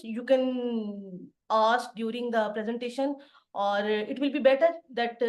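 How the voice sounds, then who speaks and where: A middle-aged woman from Pakistan, an assistant professor, gives an online lecture over a video call, explaining plainly with frequent pauses. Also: fairly high pitch, darkish tone. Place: home study with bookshelves behind.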